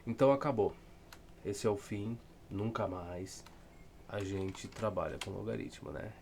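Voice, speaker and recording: A man's voice: fairly low pitch, unhurried, gravelly, a little mellow, slight background noise. A man with a southern Brazilian accent giving an informal, rambling math lesson, thinking aloud with dry, self-deprecating humour. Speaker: math tutor. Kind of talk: casual lesson, solving textbook problems aloud.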